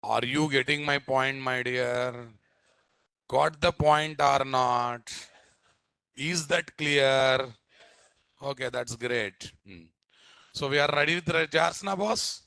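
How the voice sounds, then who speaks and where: A man's voice: medium pitch, takes it slowly, gravelly, pauses often, pushed and bright, clear, resonant tone, no room sound. A man with a Telugu Indian accent teaching a live programming class, speaking emphatically, repeating phrases and often quizzing his listeners with short tag questions. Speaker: software instructor.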